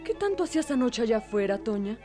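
A suspicious, sharp-tongued young woman, as an actress plays her who pries with pointed questions. Her voice is high, and soft music lingers under the dialogue. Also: sing-song, fast talker. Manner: questioning, scolding.

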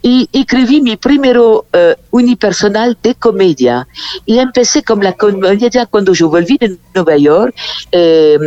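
A woman with a very low voice for a woman, a guest speaking on a remote call, rambling with many restarts and tag questions. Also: mellow. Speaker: guest performer. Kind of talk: remote interview over a call. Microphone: phone call. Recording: dull phone-line call, dry.

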